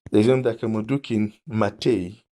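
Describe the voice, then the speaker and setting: A man's voice: on the low side, steady tone, warm tone. A man preaching a teaching sermon, explaining carefully, repeating his points and reading scripture aloud.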